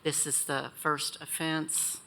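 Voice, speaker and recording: A woman's voice: low-pitched, little pitch movement, slow, vocal fry, pushed and bright. A woman chairing a county board meeting, running procedure and asking pointed questions.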